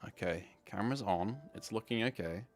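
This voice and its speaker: A man's voice: on the low side, normal speed. A man hosting a casual live stream, rambling as he sorts out camera trouble. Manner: rambling, fixing tech while talking.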